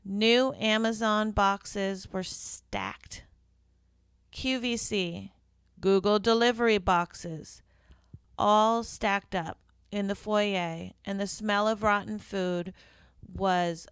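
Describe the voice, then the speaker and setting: A woman, a professional organizer, hosting her own podcast and telling stories in a conversational, deliberate way with occasional fillers. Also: mid-range voice, steady tone, clear, resonant tone, no echo. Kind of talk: solo podcast storytelling.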